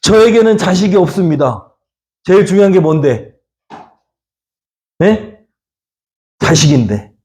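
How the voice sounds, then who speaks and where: A middle-aged man preaches a Sunday sermon to his congregation. His voice sits a touch high yet sounds mellow and relaxed, and he talks in a conversational way, often turning to his listeners with questions. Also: a little slow, long pauses. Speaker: pastor.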